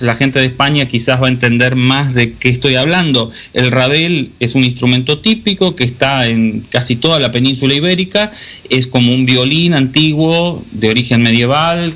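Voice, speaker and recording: A man, a musician answering interview questions in a relaxed, rambling way with many restarts. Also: mid-range voice, moderate pace. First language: Spanish. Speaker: musician guest.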